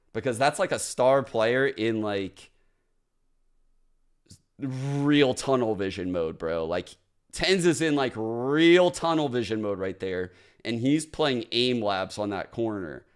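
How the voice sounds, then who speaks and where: A man streaming live analysis of a match, excitable and swearing often, calling people "bro". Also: mid-range voice, takes it slowly, clear, resonant tone.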